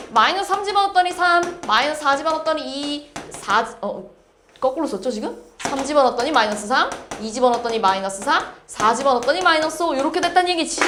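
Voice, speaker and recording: A woman math teacher lectures a class in a lively way and keeps checking that her students follow. Her voice sits high and swings up and down a lot. The sound is roomy, with faint noise in the background. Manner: lively, checks understanding with quick questions. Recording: echoey classroom.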